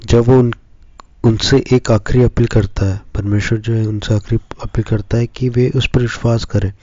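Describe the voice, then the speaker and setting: A man reading Scripture and preaching as a pastor, slow and measured in short phrases. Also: mid-range voice, fairly even intonation, dark tone, no echo, lo-fi sound. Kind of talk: devotional Bible reading and sermon.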